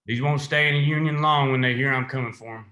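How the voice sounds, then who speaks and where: A man's voice: medium pitch, steady tone, fast, pushed and bright, lightly acted. A man playing a menacing, corrupt small-town sheriff in a script read, commanding and contemptuous. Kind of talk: screenplay table read. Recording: roomy, echoing sound.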